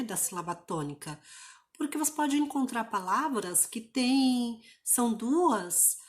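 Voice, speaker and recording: A woman from Brazil teaching an online English lesson, explaining pronunciation rules patiently and repeating example words slowly. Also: fairly high pitch.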